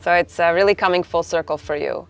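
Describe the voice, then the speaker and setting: Female news interviewer, slightly low voice, poised and direct. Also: fairly even intonation, quick pace, faint music behind. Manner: poised, scripted introduction then direct questions.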